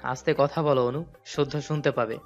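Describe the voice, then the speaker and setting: A man's voice: medium pitch, steady tone, fairly quick, faint music behind, lightly acted. A man playing an earnest husband, dull recording. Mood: defensive. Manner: earnest, pleading. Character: patient young husband, pleading and defensive. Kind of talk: audio drama acting.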